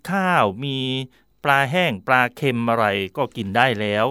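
Man, chatty host, casual explainer, mid pitch, dry close sound. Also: animated, moderate pace, pushed and bright, clean tone, no room sound. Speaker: radio host. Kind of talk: casual educational talk.

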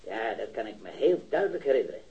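A man's voice: lowish voice, very animated, warm tone, highs cut off. An actor playing a hesitant male eyewitness in his thirties who stammers and repeats himself, in a radio drama. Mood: unsure, rambling. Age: 30s. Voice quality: halting, stammering, repeats words. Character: hesitant male metal worker, early thirties, eager eyewitness. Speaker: eyewitness to a robbery. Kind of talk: 1970s radio drama acting.

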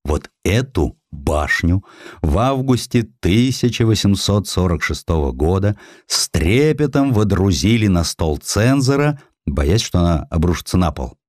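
A man narrating a historical tale from a script in an expressive, theatrical storytelling manner. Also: deep voice, measured pace, no room sound, clean studio sound. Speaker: audiobook narrator.

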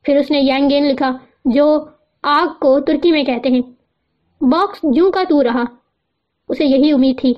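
A woman narrating a novel aloud with steady, even storytelling delivery. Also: sits high. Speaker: audiobook narrator. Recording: muffled lo-fi recording.

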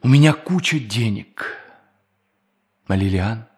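An actor playing a bitter, lonely bank thief in hiding, in a theatrical radio play monologue that moves between muttering and solemn declamation. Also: male voice, on the low side, animated, takes it slowly, slightly rough, heavily acted. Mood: bitter, agitated. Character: brooding fugitive bank thief, bitter, lonely, self-tormenting man.

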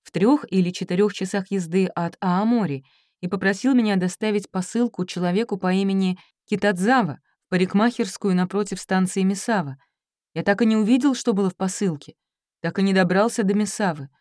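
A woman reading a quiet, guarded teenage boy. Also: mid-range voice, brisk, no room sound, studio quality, lightly acted. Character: reserved, guarded Japanese youth of seventeen.

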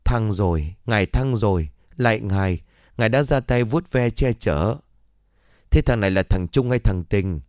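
A man voicing an old grandmother who sobs and speaks with deep emotion. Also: moderate pace, darkish tone, no room sound, studio quality, natural voice. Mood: distraught. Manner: sobbing, deeply moved. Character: old grandmother, sobbing and distraught.

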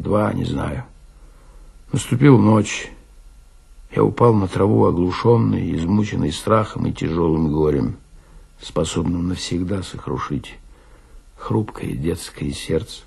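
An actor playing an embittered, despairing man in a radio drama monologue, husky and gravelly, brooding in his delivery. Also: deep voice, heavily acted. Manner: slow, brooding, with emphatic swells and hushed drops. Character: embittered, despairing male drinker recounting his shattered childhood.

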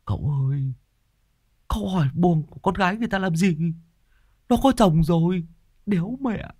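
A man voicing a goofy, cheeky young male sidekick who jokes crudely and gets excited. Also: sits high, moderate pace, slightly rough, no echo, clean studio sound, pitched above the performer's own voice. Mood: teasing.

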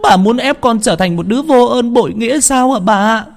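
A man's voice: very high-pitched, moderate pace, creaky, pitched above the performer's own voice. Sobbing young village woman, devoted and begging, for an audiobook ghost story, voiced by a man. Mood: tearful pleading.

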